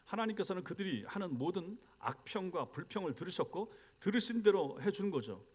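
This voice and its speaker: A man preaches a verse-by-verse sermon to his congregation from the pulpit. His voice sits a little higher than most men's. He keeps turning to the people with rhetorical questions and directing them to the passage. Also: big pitch swings, a little fast, breathy edge. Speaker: pastor. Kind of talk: expository sermon. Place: church sanctuary.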